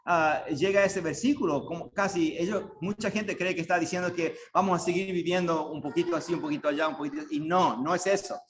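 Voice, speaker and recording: A man's voice: a little high, fairly even intonation, brisk, few pauses, slight background noise. A man preaching an earnest sermon to a congregation in a church, pressing his point with rhetorical questions. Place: church sanctuary.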